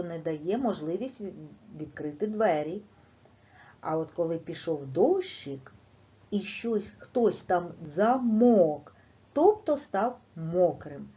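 A primary school teacher, a woman with a fairly low voice, teaches young children in a lively, sing-song lilt. She speaks slowly and deliberately, stressing each word emphatically. The recording is dull and lo-fi.

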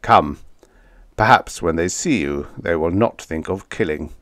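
A man acts out a brave young tribal hunter in an audiobook. The voice is low and dry, earnest and protective, with solemn, simple phrasing. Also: unhurried, a bit bright, no echo. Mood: fond.

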